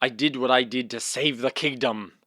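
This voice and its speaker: A man's voice: medium pitch, steady tone, moderate pace, pushed and bright, lightly acted. A man playing a defensive, guilt-ridden royal brother in a fairy-tale audio comedy, dramatic and self-justifying. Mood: pleading, self-justifying. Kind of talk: audio fiction comedy acting.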